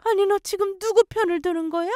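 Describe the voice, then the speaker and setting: A woman voicing a bossy, spiteful older mother-in-law who yells and scolds in a shrill voice. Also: a little fast, dry recording, clean studio sound. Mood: furious.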